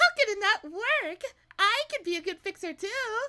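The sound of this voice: Extremely high pitch defines this put-on character voice. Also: moderate pace.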